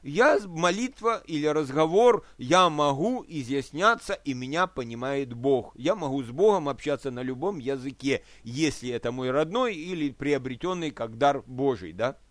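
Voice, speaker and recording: A man's voice: medium pitch, expressive, normal speed, hardly any pauses, no room sound. A man preaching a sermon, explaining scripture with worked examples, rhetorical questions and checks that his listeners follow. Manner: asks listeners for agreement.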